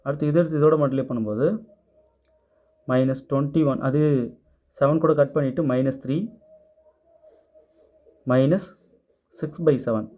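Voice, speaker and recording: A man's voice: mid-range voice, phone-quality sound. A man teaching maths, going through a worked problem step by step and answering students' doubts, mixing English terms into his speech. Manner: methodical, step-by-step, mixes English terms into Tamil. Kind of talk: explaining worked problems in class.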